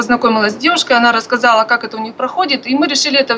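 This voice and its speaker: A woman speaks with a high pitch and ordinary pitch variation. Noticeable background noise is present. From moved to Vorkuta in 1996. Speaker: local organization chairwoman. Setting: phone call.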